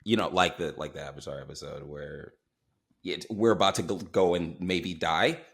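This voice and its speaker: A man in his thirties chatting casually on a podcast, telling animated stories and acting out quotes with laughs. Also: low voice, normal speed, gravelly. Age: 30s. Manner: animated storyteller, laughs often, acts out quotes. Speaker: guest co-host.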